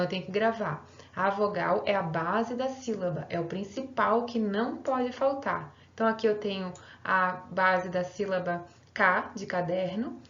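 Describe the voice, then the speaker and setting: A woman teacher giving a recorded online grammar lesson, explaining patiently step by step and checking in with her students. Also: mid-range voice. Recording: roomy, slightly dull home recording.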